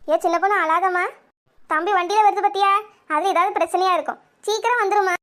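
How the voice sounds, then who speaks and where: Playing neighbour Gomathi in a village family drama, a woman speaks quickly in an extremely high, slightly bright voice. She is soothing and motherly, coaxing the other characters and addressing them with pet names.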